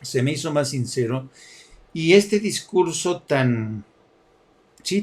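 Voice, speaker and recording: A man, talking politics in a mocking, animated way and laughing often. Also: mid-range voice. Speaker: political commentator. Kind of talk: sarcastic political chat.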